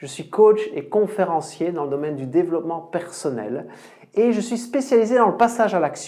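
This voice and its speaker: With a Belgian accent, a high-pitched man speaks at a moderate pace, his pitch swinging very widely and his loudness shifting in big swings. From Belgium, Liège. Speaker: life coach. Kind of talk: welcome video; online talk.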